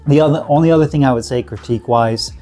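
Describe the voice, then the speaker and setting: A man with a cold, sniffling a bit, reviewing gear in a relaxed, rambling way full of fillers and restarts. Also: medium pitch, fast, faint music behind. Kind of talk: casual product review.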